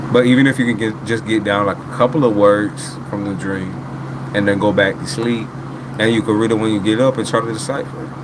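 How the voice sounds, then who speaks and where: A man with an American accent at a fairly quick pace, ordinary pitch variation, audible room echo and noticeable background noise. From New York. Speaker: tarot reader streamer. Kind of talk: live stream casual chat. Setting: live stream. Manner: casual, profane.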